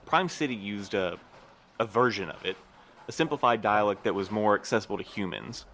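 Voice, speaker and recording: An actor playing a guarded, weary postmaster in an audio drama, speaking in a careful, slightly formal, measured way. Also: male voice, lowish voice, animated, fairly bright tone, a little hiss or hum. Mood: defensive, earnest. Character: guarded, weary postmaster man, evasive but courteous. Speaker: actor in a fiction podcast.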